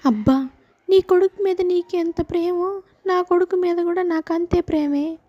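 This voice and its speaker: Woman as a nagging mother-in-law, high mellow voice, lo-fi. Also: moderate pace. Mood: complaining. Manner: scolding, complaining. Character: anxious bossy mother-in-law.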